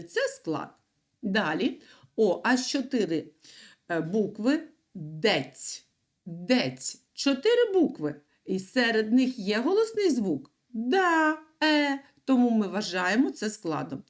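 A woman teaching young children an online reading and writing lesson, explaining patiently step by step. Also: on the high side. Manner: slow, patient, lively sing-song explaining. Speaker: primary school teacher.

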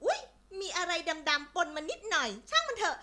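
A woman's voice: extremely high pitch, sing-song, brisk, heavy background noise. A woman voicing a scheming frizzy-haired witch in a children's story, with a theatrical, cackling, sing-song manner. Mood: brazen, cheerful. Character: frizzy-haired scheming witch, gleefully cooking junk food. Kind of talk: exaggerated children's story acting.

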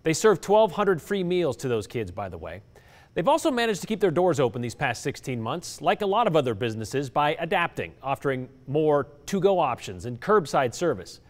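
A man's voice: a little high, very animated, fairly quick, long reverb tail. A middle-aged man presenting a scripted TV news report in a studio, with an emphatic anchor delivery. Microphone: lapel mic.

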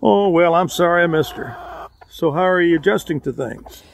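An actor playing a courteous, chatty small-town police captain in a radio drama, with a husky, gravelly voice. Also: male voice, fairly high pitch, moderate pace, a little hiss or hum. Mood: friendly.

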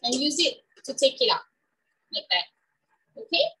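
Woman cooking demonstrator, high and bright voice, chatty, recorded from a distance. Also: sing-song, unhurried. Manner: chatty, frequent "okay?" checks.

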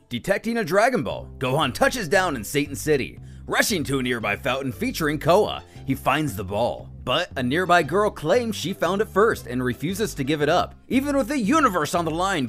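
A man's voice: a little high, fairly bright tone. A man delivering scripted, theatrical and emphatic narration of a story. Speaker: narrator of a fan manga recap.

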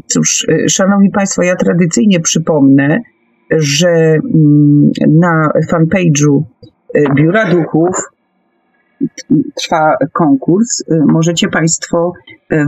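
Halting, creaky-voiced woman interviewer. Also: low voice, a little mellow, rough recording. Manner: hesitant, halting, with many pauses and hums. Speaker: host leading the interview. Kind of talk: live radio interview. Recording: faint music behind internet call.

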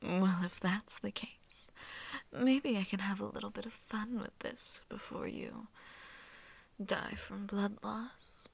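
A woman voicing a seductive, haughty vampire mistress in a slow, teasing, breathy whisper for an ASMR roleplay, close to the mic. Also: medium pitch, dry recording, heavily acted. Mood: hungry, teasing. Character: seductive, haughty, hungry female vampire mistress toying with prey. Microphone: close microphone.

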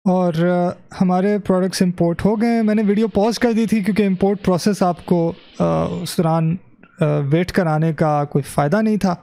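A man's voice: sits high, fairly even intonation, normal speed, vocal fry, dark tone, no room sound. A man teaching web design over a screen recording, thinking aloud and correcting himself as he goes, dropping English phrases into his explanation. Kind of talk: screen-recorded software tutorial.

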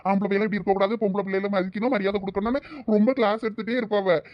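Guy playing a young village lad, fast and defensive, dull dry sound. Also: high voice, fairly even intonation, dry recording, natural voice. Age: young adult. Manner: quick, defensive, protesting. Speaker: comic skit actor. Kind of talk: village comedy skit acting.

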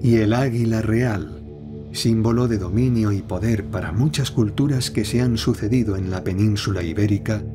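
A man reads scripted nature documentary narration in a measured, dramatic storytelling way. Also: on the low side. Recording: studio voice-over over prominent music. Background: music, animal sounds.

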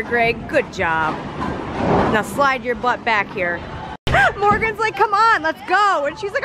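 A woman with a high voice narrates a bowling game into her handheld camera, chatty and teasing. Loud crowd chatter and clattering alley noise fill the background. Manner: chatty, playful, narrating the game as she plays. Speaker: vlogger. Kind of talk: casual vlog commentary. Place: busy bowling alley, indoors.

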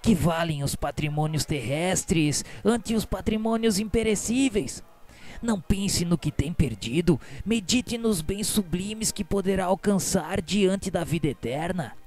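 A calm spirit administrator acted by a man speaks in a radio drama. He is patient but firm, preaching in solemn, formal phrases over background music. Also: sits high, pitched above the performer's own voice. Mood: gently admonishing. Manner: solemn, measured exhortation in formal wording. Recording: music behind the voice.

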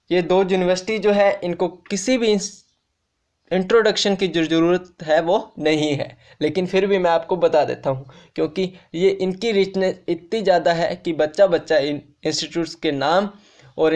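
A man's voice: high-pitched, darkish tone. A man presenting an informal explainer for students, speaking straight to viewers as friends and restating each fact more than once. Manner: repetitive, restates facts, addresses viewers as friends. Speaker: education YouTuber.

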